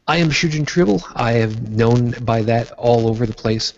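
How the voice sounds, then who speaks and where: A man from Brooklyn hosts a casual online podcast. His pitch sits in the middle range, and he talks bluntly and swears freely. The audio is a bit muffled and lo-fi. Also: normal speed. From Brooklyn, New York. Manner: blunt and profane. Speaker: host.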